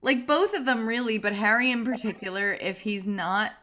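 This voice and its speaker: A woman's voice: fairly high pitch, moderate pace, sharp tone, a little hiss or hum. A woman talking informally in a group discussion over a video call.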